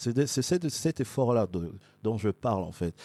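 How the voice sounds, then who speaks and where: Lively intonation colors this man's dark, mellow tone. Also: dry, close sound with no echo, very clean recording, silent background. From Gabon. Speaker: podcast guest on decolonialism. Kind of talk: casual discussion.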